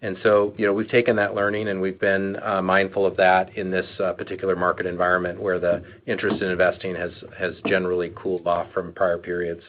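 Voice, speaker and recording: A man answering questions as a finance executive on an earnings call, speaking in a halting, measured way. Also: low voice, little pitch movement, a little hiss or hum. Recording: dull, lo-fi conference phone line.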